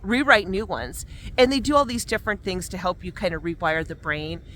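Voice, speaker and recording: A woman's voice: lowish voice, lively intonation, a little fast, fairly bright tone. A woman talking casually while walking outdoors in cold, windy weather, her lips numb from the cold, chatty and reflective about self-help ideas, often restarting her sentences. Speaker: vlogger.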